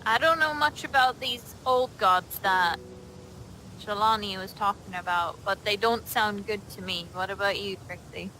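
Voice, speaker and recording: A woman's voice: mid-range voice, measured pace, pushed and bright, slight background noise, low-quality recording. A woman playing a tabletop roleplay, improvising dialogue with firm, suspicious questioning.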